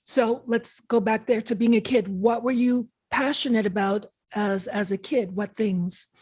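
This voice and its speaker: Bright-voiced New woman interviewer. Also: on the high side, measured pace, breathy edge. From New York, raised in Puerto Rico. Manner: friendly, leading questions. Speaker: interviewer, host. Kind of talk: casual interview.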